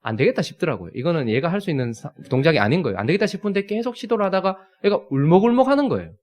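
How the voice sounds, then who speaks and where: A man's voice: on the high side, big pitch swings, very fast, darkish tone. A man, preaching a sermon and telling a family story, acting out the scenes. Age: 30s. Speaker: pastor.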